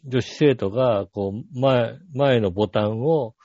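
A man's voice: medium pitch, measured pace, warm tone, dry recording, muffled recording. A man co-hosting a podcast, telling a rambling story in casual chat with many fillers. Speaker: podcast co-host.

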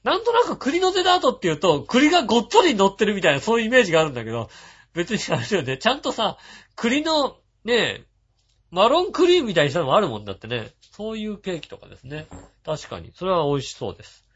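Man, radio host, casual rambling chat, chuckling, lively pitch, dull lo-fi sound. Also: fast, slightly rough. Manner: relaxed, rambling, chuckles often. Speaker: radio show host reading listener messages.

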